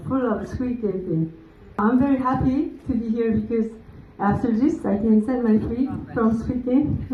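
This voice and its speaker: A woman's voice: mid-range voice, a little hiss or hum. A young woman from South Korea with a Korean accent, giving a lecture in English with many fillers and frequent laughs. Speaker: guest lecturer. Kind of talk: lecture to a live audience. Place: lecture room. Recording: tinny phone-like sound in an echoey room.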